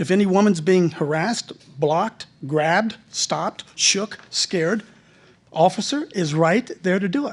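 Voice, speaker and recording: A man with a high pitch and ordinary pitch variation talks at a medium speed. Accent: American. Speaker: street preacher. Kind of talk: public testimony. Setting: council hearing chamber. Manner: impassioned; loud.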